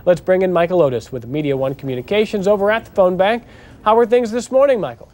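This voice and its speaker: A man's voice: high voice, fast, darkish tone. A male news anchor introducing a live segment and chatting with a guest.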